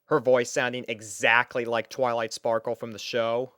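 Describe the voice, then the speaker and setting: Smooth-voiced man narrating a story. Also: mid-range voice, flat delivery, moderate pace, a bit bright, no echo, clean studio sound. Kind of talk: scripted first-person story narration.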